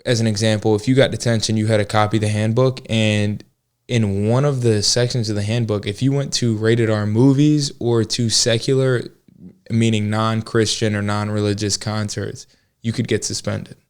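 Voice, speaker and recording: A man's voice: lowish voice, fairly even intonation, normal speed, clean tone. A man in his twenties with an American accent, chatting casually as a podcast co-host in a joking, talkative way. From Georgia, United States. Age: 20s. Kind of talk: casual relationship podcast chat.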